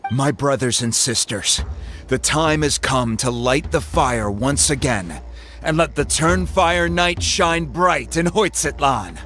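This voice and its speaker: A man voicing a tribal chief who speaks in a measured, ceremonial way in a video game. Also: medium pitch, expressive, a bit bright, faint music behind.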